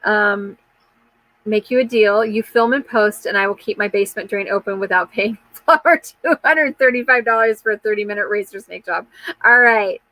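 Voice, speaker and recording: A woman's voice: medium pitch, normal speed, sharp tone, no echo. Candid rambling woman in her forties. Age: 40s. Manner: candid and rambling, answering viewer comments; frequent fillers and trailing restarts. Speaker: live chat host. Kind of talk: casual live-stream chat.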